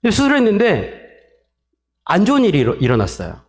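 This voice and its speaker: A male pastor delivers a sermon in a high voice that swoops up and down with animated storytelling. He speaks straight to his congregation and drops lower and softer when he acts out the quoted lines. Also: brisk, a little hiss or hum. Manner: addresses the congregation directly, asks for amens.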